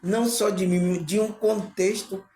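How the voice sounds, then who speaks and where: A man's voice: sits high, steady tone, unhurried, mellow. A man giving an informal spiritual talk to his viewers, rambling and often checking in with the audience through tag questions. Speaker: spiritual channel host. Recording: echoey room with faint ambient noise.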